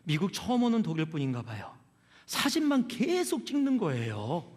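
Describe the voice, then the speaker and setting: A man's voice: fairly high pitch, huge pitch swings, normal speed, darkish tone, big-room sound. A man preaching a sermon as a pastor, telling stories and asking the congregation questions in a conversational way. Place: church sanctuary.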